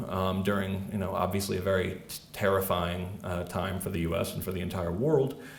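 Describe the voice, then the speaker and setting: A man with an American accent and a fairly low pitch, big swings in loudness, hardly any pauses, and audible room echo. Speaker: First Amendment lawyer and free speech activist. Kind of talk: lecture. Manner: fast; halting, many fillers.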